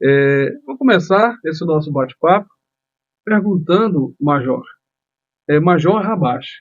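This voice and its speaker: A man's voice: fairly high pitch, expressive, a little slow, highs cut off. A man hosting a podcast, upbeat, polite and welcoming toward his guest. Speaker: podcast host.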